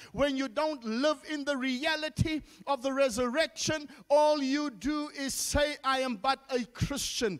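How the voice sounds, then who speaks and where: Against a quiet background, a man talks at a fairly slow pace in an extremely high pitch. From South Africa. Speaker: pastor. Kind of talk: sermon. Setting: church. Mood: emotional, wipes face. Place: church. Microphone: handheld.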